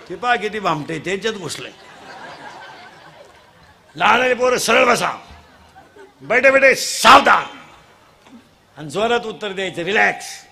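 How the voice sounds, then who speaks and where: High-pitched teasing preacher. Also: male voice. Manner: teasing, quizzing the children and demanding loud answers; bursts into shouts at times. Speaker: kirtan preacher. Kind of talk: comic kirtan sermon to a live crowd. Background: audience sounds.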